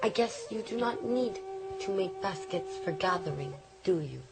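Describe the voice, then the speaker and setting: A woman's voice: on the high side, huge pitch swings, moderate pace, gravelly, loud music behind the voice, pitched above the performer's own voice, full character voice. Chiding, sarcastic mother, as a woman narrator voices her. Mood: reproachful.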